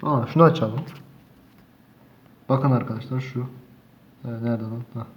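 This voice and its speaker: Hushed, jittery young man in an echoey room. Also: medium pitch, steady tone, normal speed. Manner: hushed, jittery, swears often. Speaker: vlogger. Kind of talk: casual late-night horror vlog. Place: dark room at a computer, at night. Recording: dull, echoey room with faint hiss.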